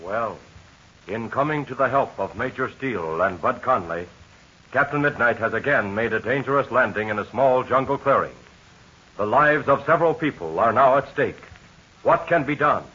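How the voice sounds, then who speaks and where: A man with an American accent announcing in an old 1940s radio style, pitching enthusiastically to young listeners like a salesman. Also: expressive, moderate pace, bright, forceful tone, husky. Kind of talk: old-time 1940s radio announcer, serial outro and ad read. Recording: dull, lo-fi vintage radio transcription.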